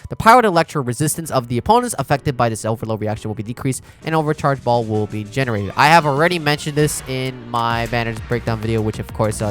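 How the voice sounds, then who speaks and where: A man giving casual reaction commentary on a game trailer, excitable, with frequent exclamations and laughs. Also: mid-range voice.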